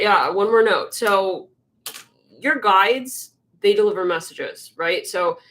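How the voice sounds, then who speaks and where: A young woman rambles through a casual live tarot stream, stopping and restarting with plenty of fillers. Her voice is a little congested. She often drops into quiet murmurs to herself between thoughts. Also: medium pitch.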